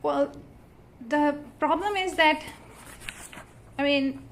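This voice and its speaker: A woman's voice: sits high, slow, slight background noise. A middle-aged woman from Pakistan, a native Urdu speaker with a Pakistani accent, speaking earnestly on a symposium panel with many fillers and restarts. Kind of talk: panel talk at an interfaith symposium. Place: church hall.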